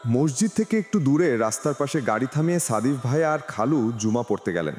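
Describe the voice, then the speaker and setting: A man narrating a romantic story in the first person, expressive and animated. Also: medium pitch, fairly quick. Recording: reverberant with music behind.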